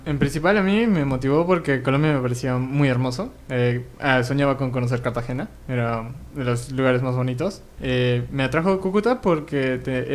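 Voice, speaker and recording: A man in his twenties with a Peruvian accent, a student guest giving hesitant, unscripted interview answers. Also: medium pitch. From Arequipa, Peru. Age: 20s.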